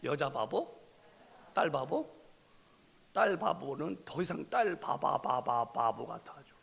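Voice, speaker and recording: A male pastor preaching a sermon, telling a story with lively acted-out dialogue and shouted lines for emphasis. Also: mid-range voice, slow pace, gravelly, slightly rough, in a large hall.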